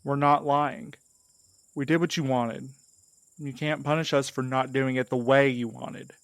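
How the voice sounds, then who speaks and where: A man's voice: medium pitch, fairly even intonation, a little slow, fairly bright tone, no echo, studio quality. A man playing a wary, earnest and defiant underdog in an audio drama, speaking a little hesitantly. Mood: defiant, nervous. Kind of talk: audio fiction drama acting.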